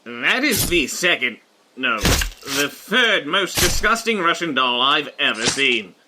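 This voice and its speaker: An actor playing a brisk, bossy older knight in an animated audio fairy-tale comedy. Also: male voice, a little high, noisy background. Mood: disgusted. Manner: animated, dramatic.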